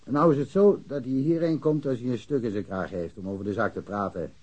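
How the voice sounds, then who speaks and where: A man's voice: mid-range voice, a little fast, a little mellow, lo-fi sound, natural voice. An actor playing a talkative, blunt village policeman who speaks colloquially and with confidence in a naturalistic radio drama. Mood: wry, knowing. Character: chatty, blunt village policeman, worldly-wise and sure of himself.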